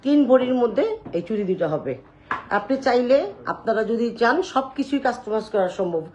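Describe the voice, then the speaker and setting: A woman hosting a live sales stream, showing jewelry and talking loudly and chattily to her viewers. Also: a little high, lively intonation, fairly quick, a little hiss or hum, poor audio. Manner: loud, chatty, addresses viewers directly.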